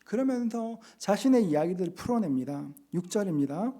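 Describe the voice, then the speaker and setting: A middle-aged man preaching a sermon as pastor, earnestly explaining scripture and slowing down to read passages aloud. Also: high-pitched, lively intonation, dark tone. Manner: earnest, slows to read scripture and act out quotes. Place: church sanctuary.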